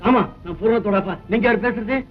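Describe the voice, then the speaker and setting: A man's voice: sits high, fast talker, close to an everyday voice. An actor playing a worried older father urgently calling for help in a 1960s film melodrama. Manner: urgent, pleading. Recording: dull old film soundtrack with music.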